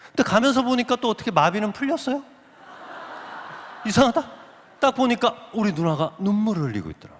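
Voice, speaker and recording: High, lively male testimony speaker. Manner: lively storyteller who acts out quoted voices and asks the audience questions. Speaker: guest speaker giving a testimony. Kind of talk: animated testimony talk to a congregation. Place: large church sanctuary. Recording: long reverb of a big sanctuary.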